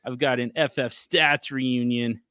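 A man hosting a casual podcast chat, playful and quick to laugh. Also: medium pitch, steady tone, sharp tone, clear, resonant tone, no echo, clean studio sound. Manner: playful, sing-song show intro, laughs often. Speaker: podcast host.

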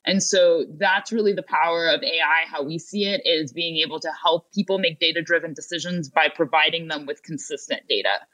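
A woman's voice: low-pitched, fairly even intonation, brisk, hardly any pauses, pushed and bright, low-quality recording. Young woman explaining as an interview guest. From Ukraine. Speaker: interview guest, tech company co-founder and CEO.

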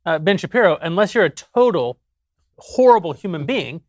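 A man with a somewhat high voice segues into a sponsor read on a studio panel. He plays it deadpan and self-mocking, and the room sound is dry. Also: moderate pace, no room sound. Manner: joking, deadpan, self-deprecating. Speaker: show host reading an ad. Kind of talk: comic ad read.

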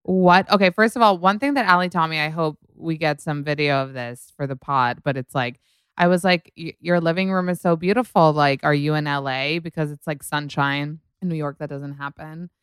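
Chatty host, rambling and enthusiastic, low smooth voice, dry studio sound. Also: female voice, moderate pace, a bit bright, no echo. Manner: gushing, chatty, lots of "like". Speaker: podcast host. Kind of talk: casual podcast chat.

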